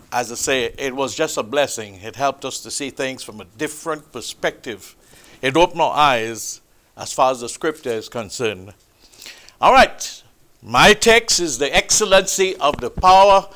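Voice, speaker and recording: A man preaching a sermon, with a loud, booming, emphatic delivery, speaking into a microphone in a church hall. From Trinidad. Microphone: handheld or stand mic.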